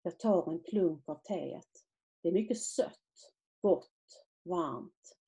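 A woman author reading aloud from her own novel in a measured, quiet literary manner. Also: lowish voice.

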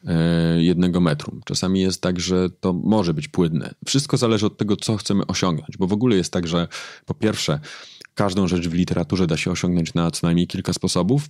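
A man, a book editor, explaining his craft thoughtfully in an interview, pausing often with fillers. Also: low voice, fairly even intonation, a little mellow, no echo, studio quality. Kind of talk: interview conversation.

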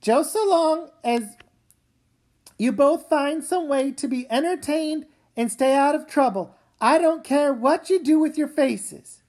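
Lady doing a worried comic book mom, firm, high voice, takes her time. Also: measured pace, darkish tone. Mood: weary firm. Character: adult mother, firm and worried. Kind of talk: dramatic comic read-aloud.

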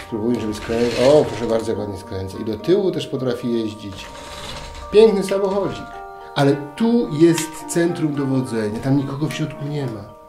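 A priest in his fifties giving a thoughtful spiritual talk to camera, asking questions and then settling into quiet answers. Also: medium pitch. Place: dim room at a table, indoors. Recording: roomy echo, faint music.

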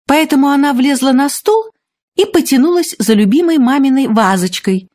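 Husky, lively woman storyteller. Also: on the high side, no echo. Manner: expressive storytelling. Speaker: narrator. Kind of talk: scripted fairy tale narration for children.

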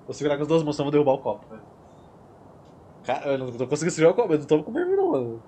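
A young Brazilian man commentating his gameplay, excitable, yelling and swearing as he plays. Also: fairly high pitch, very fast, a little hiss or hum. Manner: excitable, yells and swears during play. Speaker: gaming channel host.

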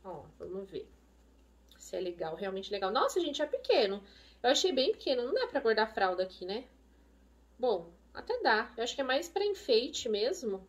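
A chatty, effusive woman with a Brazilian Portuguese accent, talking casually in a fairly high voice. She gushes freely as she walks through each item, sounding a little distant from the microphone. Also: sing-song, normal speed, dull audio. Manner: effusive and chatty, gushing over items. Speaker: vlogger, expecting mother. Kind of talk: casual shopping haul chat. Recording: voice a bit far from the mic.

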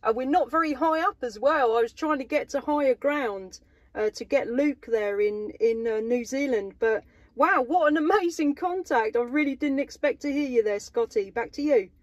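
A woman's voice: sits high, moderate pace, no room sound. An enthusiastic woman with a southern English accent, chatting on CB radio from inside a vehicle. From England. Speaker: mobile CB radio operator. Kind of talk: casual radio contact chat. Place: inside a parked or moving vehicle.

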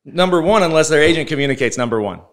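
A man co-hosting a casual chat who talks in a lively, animated way. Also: on the high side, racing. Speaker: podcast co-host.

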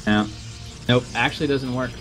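A male co-caster talks through the match in an easygoing way. His voice sits at a middling pitch, and he often pauses and restarts mid-sentence. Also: over music. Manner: relaxed, hesitant, many fillers. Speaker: esports commentator. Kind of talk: casual game commentary.

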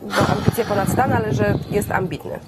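A woman in her forties hosting a TV studio interview, talking in a brisk and chatty way on a lapel mic. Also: mid-range voice, steady tone, noisy background. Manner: brisk, talkative. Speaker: TV show host. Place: TV news studio.

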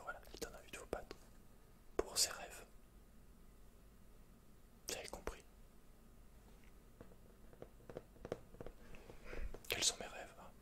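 Whispered, halting delivery, man acting as a socially uneasy cynical young male hacker, close-miked ASMR roleplay. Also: very high voice. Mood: hesitant, reflective. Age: young adult. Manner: hesitant, halting, murmured. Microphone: close-up mic, seated at desk.

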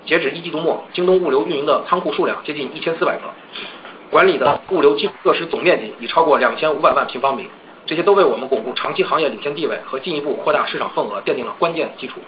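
A man's voice: a little high, racing. A man formally delivering prepared executive remarks on a corporate earnings call. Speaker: company executive. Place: conference call. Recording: dull conference call, faint noise.

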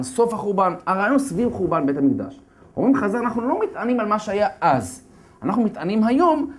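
A religious lecturer retelling a holiday story in a lively, slangy, joking way, then turning to its lesson. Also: male voice, sits high. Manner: animated, slangy, jokey storytelling. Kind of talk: lively comic Torah talk.

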